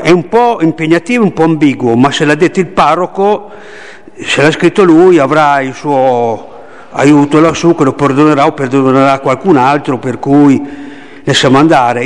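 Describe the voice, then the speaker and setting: A man speaking as a town councillor at a council meeting, measured and a little ironic. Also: fairly high pitch. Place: council chamber. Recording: reverberant council hall.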